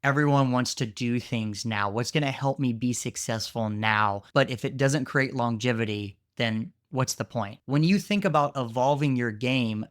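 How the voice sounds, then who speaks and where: A man's voice: mid-range voice, dry recording, clean studio sound. A man in his thirties, a jiu-jitsu coach, giving frank, conversational training advice with casual fillers. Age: 30s. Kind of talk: instructional talk to camera.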